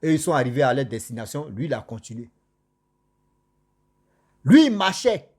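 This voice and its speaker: A man telling a spooky cautionary tale in casual spoken French, animated and repetitive, speaking straight to his listeners. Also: mid-range voice, normal speed. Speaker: storyteller.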